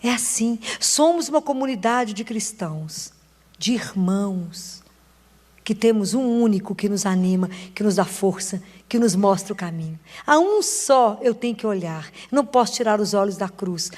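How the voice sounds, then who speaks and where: A woman's voice: medium pitch, lively intonation, normal speed, darkish tone, in a large hall. A Brazilian woman preacher giving an emotional, earnest sermon in short, urging phrases. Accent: Brazilian Portuguese. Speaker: Catholic preacher.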